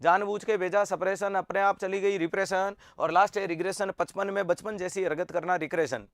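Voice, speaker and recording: A man teaching an online nursing exam lecture, energetic and quizzing students with repeated rhetorical questions. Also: high voice, a little fast, no room sound, clean studio sound.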